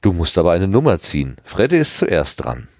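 A man's voice: low-pitched, wildly swooping pitch, normal speed, a little mellow, no echo, studio quality. A man reading aloud, voicing a friendly, teasing, easygoing teenage boy. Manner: breezy, teasing.

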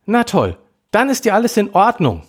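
A man's voice: sits high, sing-song, moderate pace, husky, voice pushed up, full character voice. A man voicing an upset teenage girl who snaps and fights back tears, in a reading of a story. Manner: sharp, tearful outbursts.

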